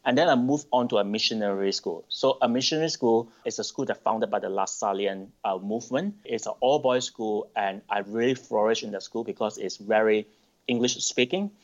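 A middle-aged man from Malaysia, answering interview questions thoughtfully, with pauses and restarts. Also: on the low side. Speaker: podcast guest. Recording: dull lo-fi sound.

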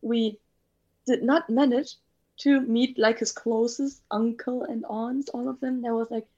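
Higher-voiced woman, teasing casual chat. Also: steady tone, unhurried, darkish tone, highs cut off.

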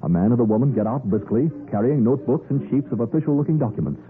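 A man's voice: mid-range voice, animated, quick pace. A man announcing and narrating a scripted 1940s radio show. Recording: narrow-band old radio recording. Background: music.

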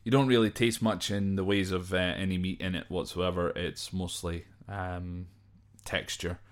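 With a low voice, little pitch movement and a moderate pace, a Scottish podcast host talks through slang from a list. His explanations are informal, improvised and hesitant, and he sometimes spells the words out.

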